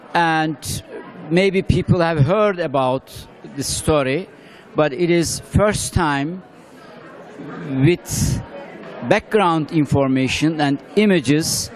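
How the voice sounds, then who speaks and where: Turkish-accented guy talking slow and careful, bit high voice, lots of pauses, outside in the city. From Turkey. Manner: halting, measured, with pauses and fillers. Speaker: interviewed scholar. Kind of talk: interview.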